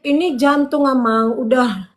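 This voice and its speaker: A woman's voice: high-pitched, fairly even intonation, unhurried. A woman, giving a casual spoken testimony as a podcast guest and acting out quoted dialogue as she tells her story.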